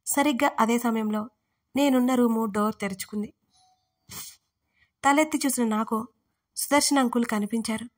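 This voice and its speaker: A woman telling an audio story in first person, soft, reflective and emotional. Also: on the high side, normal speed, pauses often. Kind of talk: scripted first-person narration.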